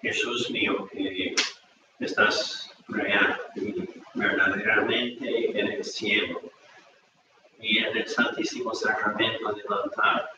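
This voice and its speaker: An older man, a priest, reciting a prayer slowly and with deliberate pauses. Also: lowish voice. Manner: slow and deliberate, with small hesitations. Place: small chapel with altar, indoors. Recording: echoey, dull sound from far off, with noise.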